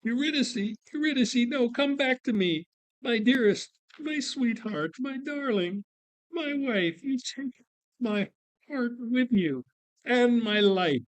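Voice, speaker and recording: A man's voice: very high voice, animated, slow pace, dry recording, heavily acted, low-quality recording. A man playing a devoted, grief-stricken young husband, impassioned and pleading in a dramatic play reading. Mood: grieving.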